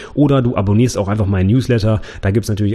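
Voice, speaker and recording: A man talks in a dark, mellow tone, pitched fairly low, with fairly even intonation. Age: 30s. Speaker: podcast host, IT trainer. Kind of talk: solo podcast monologue answering listener questions. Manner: casual, conversational with fillers.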